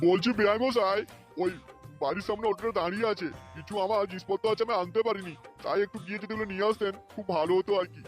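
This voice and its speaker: A man's voice: high-pitched, fast talker, faint music behind, close to an everyday voice. A man voicing a stingy, scheming old father-in-law in a cartoon who whines and wheedles. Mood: wheedling. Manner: wheedling, self-pitying. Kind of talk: cartoon voice acting.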